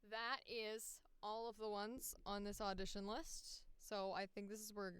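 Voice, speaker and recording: A woman chats casually as the host of a livestream. Her voice is exceptionally clear and smooth, recorded very dry and close. She speaks at an unhurried pace, with a joking, self-deprecating manner. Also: medium pitch, level tone, a bit bright, no echo.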